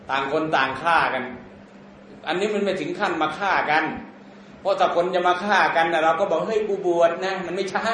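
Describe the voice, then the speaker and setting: A man teaching an Islamic text, drawing out Arabic words slowly, then explaining them in casual, joking talk. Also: a little high, a bit bright, echoey room, a little hiss or hum. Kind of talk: Thai lecture explaining an Arabic hadith text.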